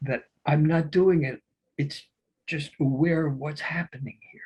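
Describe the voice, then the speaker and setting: A man's fairly high-pitched, somewhat breathy voice. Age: 80s+. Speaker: psychiatrist. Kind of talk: interview.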